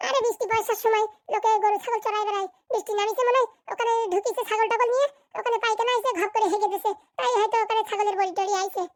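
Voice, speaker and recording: A woman's voice: very high voice, steady tone, racing, no room sound, studio quality. A woman voicing a bossy, foul-tempered, scheming village woman in a comic cartoon, scolding and threatening in a rural Bengali dialect. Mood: dismissive.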